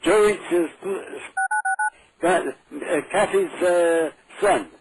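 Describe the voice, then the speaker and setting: A man's voice: high voice, very slow. A man in his eighties on the phone, confused, repeating his questions and swearing now and then. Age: 80s. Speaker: prank call recipient. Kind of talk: phone conversation. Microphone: telephone. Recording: noisy phone line.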